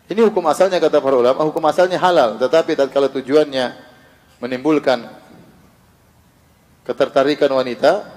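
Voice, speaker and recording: A man's voice: on the high side, fairly quick, long pauses, a little mellow. A man giving a religious study lecture, asking rhetorical questions and answering them himself, reciting Arabic verses between plain explanations. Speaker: Islamic teacher. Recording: long reverb of a hall.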